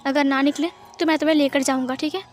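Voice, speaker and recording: A woman's voice: high voice, steady tone, quick pace, close to an everyday voice. A woman voicing a caring but bossy young husband who questions firmly and insists. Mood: worried.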